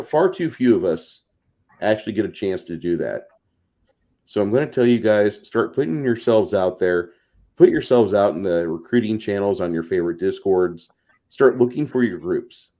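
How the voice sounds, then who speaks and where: A man's voice: on the low side, dark tone. A man talking casually and emphatically as an opinionated, salty-tongued panelist on a tabletop gaming show. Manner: foul-mouthed, emphatic. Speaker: podcast panelist.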